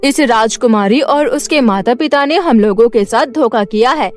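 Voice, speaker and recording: A woman's voice: on the high side, moderate pace, lightly acted. A woman voicing an angry, haughty middle-aged queen and mother-in-law in a cartoon story, scolding and emphatic. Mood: stern, domineering. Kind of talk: Hindi cartoon story dubbing. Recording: music bed behind the voice.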